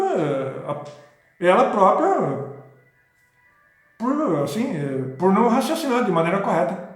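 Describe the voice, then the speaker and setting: A man talking in a rambling, casual way with many restarts and checking questions, as host of his own video. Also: high voice. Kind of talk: casual spoken talk on spirituality. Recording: very echoey room.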